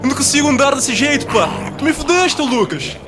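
A man's voice: very high-pitched, very animated, a little fast, over music. A man voicing a wailing, foul-mouthed injured Portuguese man with a Portuguese accent in an amateur radio drama. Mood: agonised. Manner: shrieking, whining, cursing.

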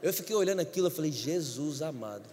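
Impassioned high-voiced man preaching. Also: lively intonation, fast, a little hiss or hum. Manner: impassioned, builds to shouted repetition, acts out dialogue. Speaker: pastor. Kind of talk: sermon with storytelling. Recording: long hall reverb.

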